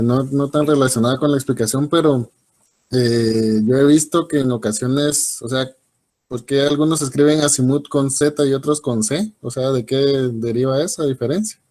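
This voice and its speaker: A man's voice: mid-range voice, moderate pace, darkish tone. A male student asking his teacher a question, polite and hesitant with fillers. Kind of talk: asking in class.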